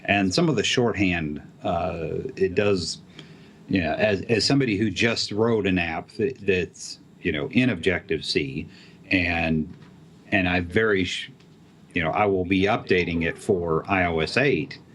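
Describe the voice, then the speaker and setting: A man's voice: low voice, a little slow, a bit bright, slight background noise. A man who develops apps talking casually about programming, with many fillers and restarts. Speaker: app developer guest. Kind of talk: casual tech chat.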